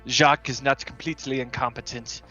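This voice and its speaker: Bright-voiced man, dry and deliberate. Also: mid-range voice, fairly even intonation, lo-fi sound, soft background music. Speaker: tabletop game player. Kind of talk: in-character roleplay and table chat.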